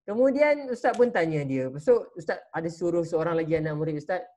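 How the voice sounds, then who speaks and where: A man with a voice on the high side teaches religious studies to children over a video call, talking a little fast. He tells them a story animatedly, speaking straight to the kids and often pausing to ask them questions.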